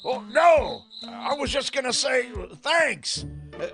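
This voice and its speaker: Woman doing a cranky neighbor hollering from off somewhere, high voice, real slow drawl. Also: big pitch swings, gravelly, faint music behind, heavily acted. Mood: irritable. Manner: shouting, drawn-out and slow. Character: grumpy unseen neighbor yelling from afar.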